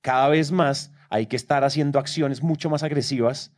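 A man co-hosting a business podcast, talking in a relaxed conversational way. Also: medium pitch, normal speed. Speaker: podcast co-host. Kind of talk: casual podcast chat.

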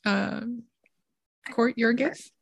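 A woman's voice: on the high side, steady tone, gravelly. A woman co-hosting a podcast, playfully quizzing the others on movie trivia. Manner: playful quizmaster, unhurried. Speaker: podcast co-host running a trivia quiz. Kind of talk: casual chat.

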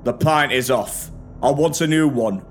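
A man's voice: medium pitch, soft background music, pitched above the performer's own voice, natural voice. A man voicing an arrogant, short-tempered laborer with a boisterous, cocky manner. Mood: angry. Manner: cocky, boisterous, quick to anger.

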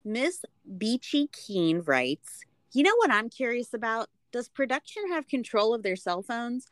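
A woman's voice: on the high side, very animated, a little slow, dry recording. A woman co-hosting a podcast with a chatty, playful way of talking. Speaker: podcast co-host. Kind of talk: casual chat and read sponsor spots.

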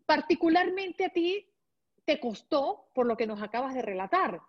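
A woman hosting an interview, asking questions in fluent, measured speech. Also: high voice, big pitch swings, lo-fi sound.

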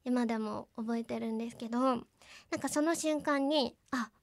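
A young adult woman with a cute, girlish, anime-like voice, slightly high, gravelly and a little mellow, speaks at a moderate pace with slight background noise. As a live streamer and radio co-host, she talks politely and earnestly in a radio-style personal chat over a music bed.

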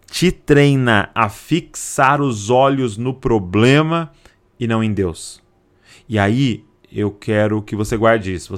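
A man's voice: mid-range voice, a bit bright. A man with a Brazilian Portuguese accent preaching a sermon, emphatic, repeating key lines and acting out the people in his stories. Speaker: pastor.

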